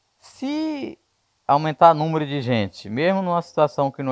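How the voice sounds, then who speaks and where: Each word comes at a fairly slow pace from a man. His sound is dry and close, without any echo. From Maranhão, Brazil. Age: 60s. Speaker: interviewee, settler. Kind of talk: oral history interview. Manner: halting.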